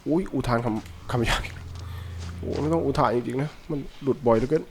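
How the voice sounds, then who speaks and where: A man giving commentary while playing a horror game, jumpy and quick to yelp when startled. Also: mid-range voice, slight background noise. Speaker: gameplay streamer.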